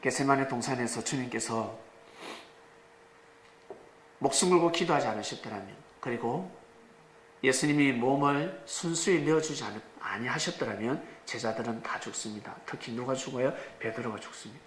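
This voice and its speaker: A male pastor preaching a sermon with dramatic rises, sudden shouts and rhetorical questions to the congregation. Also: medium pitch, normal speed, a little hiss or hum. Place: church sanctuary. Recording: echoey church room, faint ambience.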